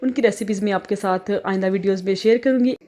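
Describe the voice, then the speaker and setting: A young woman from Pakistan with a Pakistani Urdu accent, chatting casually in a home vlog with many filler pauses. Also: medium pitch, warm tone. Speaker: vlogger.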